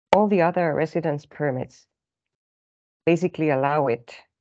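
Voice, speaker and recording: A woman speaks with a Finnish accent at a moderate pace, her pitch very deep and low. Her tone is dark and mellow, with ordinary pitch variation. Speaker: business advisor. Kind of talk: webinar presentation. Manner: halting.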